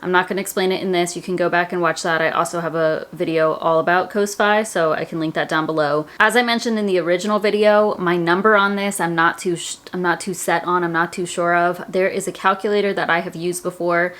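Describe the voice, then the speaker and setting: A woman's voice: lowish voice, fairly even intonation, brisk, few pauses, a bit bright. A woman, chatting casually to her viewers about her personal finance goals, rambling with lots of "like"s. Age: 30s. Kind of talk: casual chat to camera.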